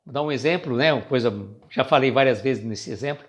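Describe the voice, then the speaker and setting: A man's voice: medium pitch, fast talker. A Brazilian man hosting a spiritist reflection stream, talking casually and greeting viewers by name. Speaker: host of a spiritist reflection livestream.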